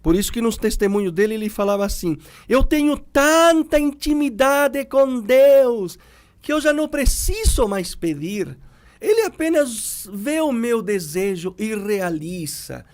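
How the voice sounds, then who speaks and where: A middle-aged man, a priest, talking in a relaxed way and telling stories, acting out the people he quotes. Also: very high voice, measured pace. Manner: animated, acts out quoted people. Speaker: priest guest. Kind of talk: conversational storytelling.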